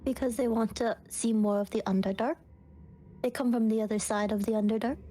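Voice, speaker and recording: A woman's voice: on the high side, steady tone, brisk, dark tone, slight background noise. A woman playing a tabletop role-playing game, improvising casual dialogue in an informal, hesitant way.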